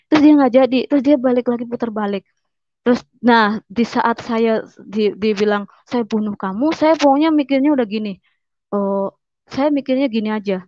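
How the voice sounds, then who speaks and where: A woman's voice: on the high side, a little mellow, no echo, highs cut off. A woman giving a personal testimony, telling her story earnestly and often repeating words as she goes.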